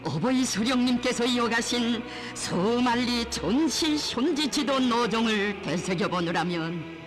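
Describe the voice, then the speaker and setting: A woman with a North Korean accent reading scripted propaganda documentary narration in a solemn, reverent, emotive declamatory manner. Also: mid-range voice. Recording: music behind the voice. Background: music.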